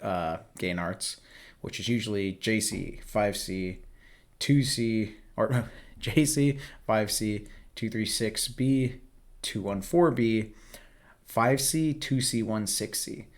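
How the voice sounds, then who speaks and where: A man with a hoarse, worn-out voice from yelling, casually talking over game footage and explaining what to practice. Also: fairly low pitch, takes it slowly. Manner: relaxed, explanatory, coaching tone. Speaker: host.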